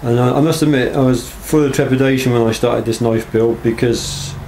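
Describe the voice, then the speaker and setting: Here a knife maker walks through his pieces in a small block-walled workshop, casual and unscripted, hesitant and understated. His voice is medium-pitched, steady, fairly quick and a little mellow. The audio is poor camera sound with clear background noise.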